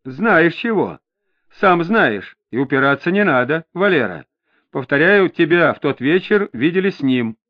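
A firm, level-headed inspector presses a suspect for answers, as a male narrator puts him on. He talks steadily, with a fairly high and lively voice. The audiobook sound is dull and lo-fi. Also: measured pace. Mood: pressing. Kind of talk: audiobook character voice.

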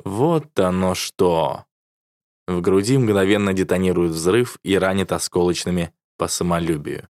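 A man narrates a first-person novel in a low register. His delivery is wry and sardonic, close to the mic in a dry, dead-sounding space. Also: measured pace, a little mellow, dry recording. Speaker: audiobook narrator.

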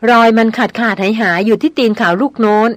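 A woman's voice: on the high side, fairly even intonation, fast, no room sound, natural voice. Woman voicing Rapin, a tough veteran hunter. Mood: recounting.

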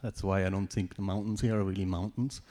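A man's voice: low-pitched, fairly even intonation, fast, dark tone, a little hiss or hum. A man from Switzerland with a Swiss German accent, a native Swiss German speaker, giving a personal testimony in church with informal joking asides.

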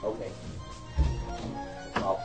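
An actor playing a brusque, weary police detective in a radio drama, gruff and very raspy, with a clipped, sardonic manner. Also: male voice, drawn-out words, over music. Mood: hurried. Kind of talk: naturalistic radio drama acting.

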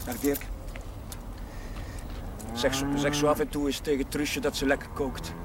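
A man playing a young Catholic chaplain with a warm, wry temper in a naturalistic television drama. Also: medium pitch, flat delivery, measured pace, lightly acted. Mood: wistful farewell. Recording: distant mic, noisy outdoor sound.

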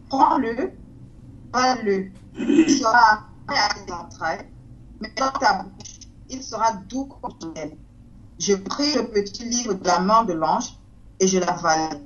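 Female scripture reader, steady and careful, dull lo-fi recording. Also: medium pitch, slight background noise. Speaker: Bible reader. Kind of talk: reading scripture aloud. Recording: dull lo-fi sound.

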